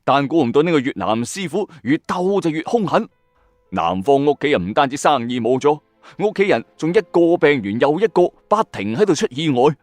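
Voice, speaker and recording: A man with a Hong Kong Cantonese accent tells a spooky tale as the host. His pitch swings in a lively way, building suspense with colloquial asides. The voice is dry and close, with music playing underneath. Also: fairly quick, no room sound. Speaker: host of a ghost story audio channel. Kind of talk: dramatic late-night storytelling narration. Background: background music.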